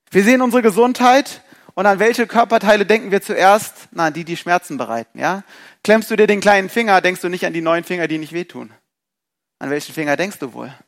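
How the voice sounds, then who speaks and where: A man preaching a sermon in a lively, rhetorical way, asking questions and acting out people's thoughts. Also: fairly high pitch.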